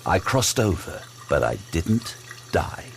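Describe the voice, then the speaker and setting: A haunted detective narrating in the first person, low and slow with a creaky edge. He broods intensely over music in a gothic audio drama. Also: very animated, background noise, exaggerated voice. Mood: brooding, haunted.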